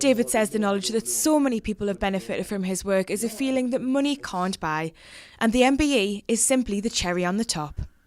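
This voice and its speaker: Very fast and lively, a woman talks at a fairly high pitch. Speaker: TV presenter or reporter. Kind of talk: TV news bulletin narration.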